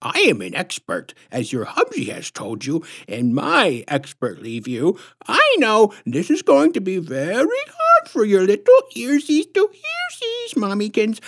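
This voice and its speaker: A man voicing a huge, creepy, patronizing woman in a storybook, with a squishy-throated lisp and syrupy, drawn-out baby talk. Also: high-pitched, huge pitch swings, fairly bright tone, pitched above the performer's own voice, exaggerated voice. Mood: patronizing, ominous.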